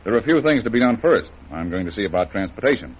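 A confident jungle adventurer. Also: male voice, fairly low pitch, fast talker. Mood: steady. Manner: steady, easygoing, assured. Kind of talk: 1930s radio acting. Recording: dull old radio recording with faint hiss.

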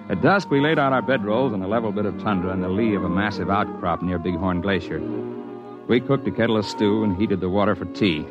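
A man narrating a mountain adventure in the first person, steady and matter-of-fact, in an old radio drama style. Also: sits low, close to an everyday voice. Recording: lo-fi old radio broadcast with music.

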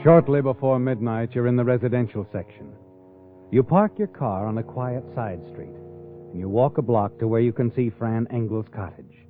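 Actor as sinister tinny old-radio crime narrator. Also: male voice, medium pitch, lightly acted. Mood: ominous. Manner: insinuating, deliberate. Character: sinister, taunting omniscient narrator of crime tales. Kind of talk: 1940s radio drama narration, in second person. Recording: tinny, band-limited 1940s radio with music.

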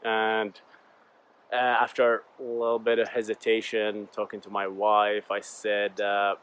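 A man's voice: on the low side, monotone, measured pace, fairly bright tone, clear, resonant tone. A man whose first language is Arabic, speaking English in a casual, earnest, rambling motivational monologue to his viewers. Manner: rambling, earnest, often addresses listeners as "guys". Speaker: YouTuber and podcast host.

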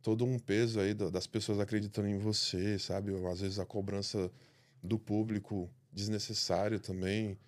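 A man's voice: lowish voice, level tone, moderate pace, a little mellow. A young Brazilian man, a bodybuilder guest on a podcast, telling heartfelt stories in casual slang. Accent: Brazilian Portuguese.

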